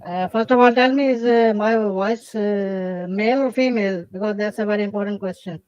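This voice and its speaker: A man's voice: sits high, brisk, clear, resonant tone, no echo, dull audio. A man calling in with his voice disguised by a voice changer, hesitant, with lots of uh's and a polite "sir". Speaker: caller. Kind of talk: casual call-in chat.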